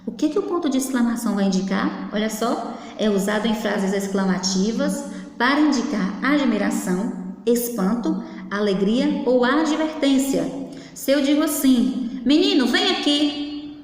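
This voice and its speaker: Woman teacher talking to little kids, sing-songy and patient, kinda high voice, lots of room echo and reverb. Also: lively intonation, moderate pace, a little mellow. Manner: patient, sing-song teaching tone with many "olha só" prompts. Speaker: primary school teacher. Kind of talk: recorded remote class for young children.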